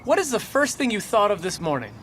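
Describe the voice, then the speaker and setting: A woman interviewer firing off short, upbeat questions in quick succession. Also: medium pitch, big pitch swings, fairly bright tone, slight background noise. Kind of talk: quick street-style questions.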